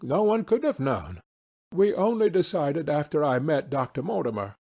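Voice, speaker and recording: A man's voice: fairly high pitch, very animated, normal speed, creaky, dark tone, husky, exaggerated voice. A man reading an audiobook as a sturdy, forthright baronet of thirty, blunt and emphatic.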